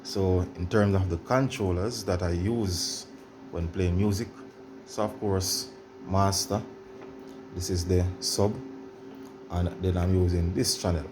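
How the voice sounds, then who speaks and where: A man presenting an informal how-to demonstration, explaining in a halting, repetitive way and addressing viewers directly. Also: low voice, steady tone, noisy background. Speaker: tutorial presenter.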